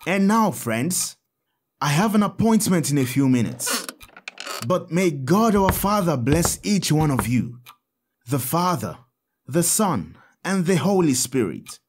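An actor playing a kindly African Catholic priest who teaches children earnestly and emphatically in an audio drama. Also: male voice, on the high side, very animated, unhurried, a little hiss or hum. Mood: gentle blessing.

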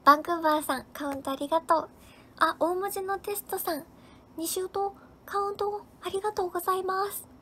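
Bright high-pitched girl streamer reading chat and thanking ppl by name, faint hum in the background. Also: fairly even intonation, brisk. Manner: cheerful, thanks viewers by name one after another. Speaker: livestream host. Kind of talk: casual live-stream chat reading viewer comments.

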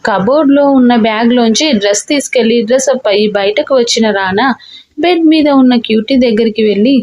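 A woman storyteller narrating a romantic audiobook story in a steady, expressive reading. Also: on the high side, brisk.

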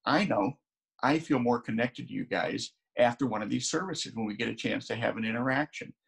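Gravelly older man preaching from home. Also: medium pitch, fairly quick, a bit bright. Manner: earnest, conversational, with frequent restarts. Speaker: pastor. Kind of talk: sermon. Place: home sunroom with windows.

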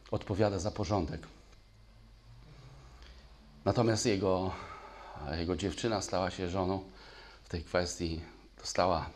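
A man preaching a sermon in a church, telling stories with lively sound effects, at times moved to tears. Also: low-pitched. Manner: animated, acts out gunfire with spoken sounds; emotional, voice breaks. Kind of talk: sermon with storytelling. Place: church hall.

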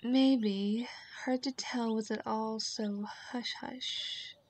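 Female bodyguard colleague, acted by a woman for roleplay drama: wry, offhand, teasing, voice a bit on the high side. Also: steady tone, extremely slow. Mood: matter-of-fact. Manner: dry, teasing, casual. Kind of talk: roleplay audio drama acting.

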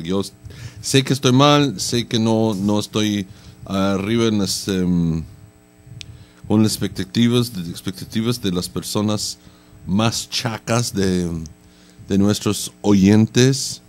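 A middle-aged man, hosting a casual morning radio show in a studio, playful and stammering. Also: lowish voice. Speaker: radio host. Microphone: large studio mic on boom arm.

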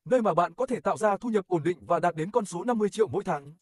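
A man's voice: sits high, animated, fast talker, dry recording. A man reading scripted promotional narration as an advertisement narrator.

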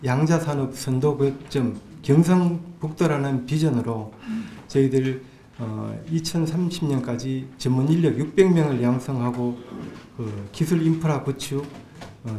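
A man's voice: medium pitch, moderate pace, dark tone. A man speaking as a provincial official at a press briefing, formal with frequent hesitations. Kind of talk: official announcement. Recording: echoey room with faint hum.

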